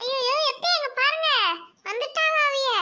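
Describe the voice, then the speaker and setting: A squeaky, cartoonish character voice from a woman, extremely high-pitched with ordinary pitch variation, at a fairly slow pace. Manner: loud, quarrelsome.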